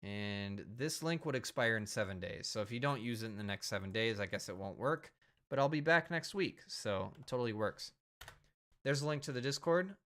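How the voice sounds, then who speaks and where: A man's voice: mid-range voice, lively intonation, normal speed, fairly bright tone. A man in his thirties, a streamer wrapping up a live stream in rambling casual chat, a little tipsy and slurring his words. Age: 30s. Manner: rambling, self-repeating, chatty.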